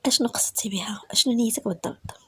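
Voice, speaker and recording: A woman's voice: a little high, very fast, fairly bright tone, in a whisper, natural voice. A woman voicing a guarded young Moroccan woman. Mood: defiant.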